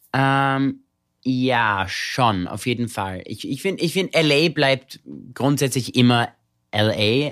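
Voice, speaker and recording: Very slowly and in a strong Viennese accent, a man talks at a medium pitch with ordinary pitch variation on a very clean recording with a silent background. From Austria, Vienna. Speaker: actor and stand-up comedian. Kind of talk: casual interview. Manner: halting.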